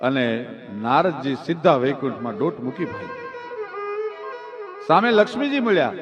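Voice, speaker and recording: A man telling a devotional dayro story, swinging from hushed low narration to loud, drawn-out sung verses. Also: big pitch swings, lo-fi sound, over music.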